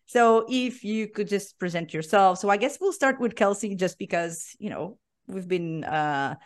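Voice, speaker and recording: Chatty woman host, mid-pitched, loose and laughing. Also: a little slow. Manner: chatty, laughs often, rambling. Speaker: podcast host. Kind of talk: casual podcast chat.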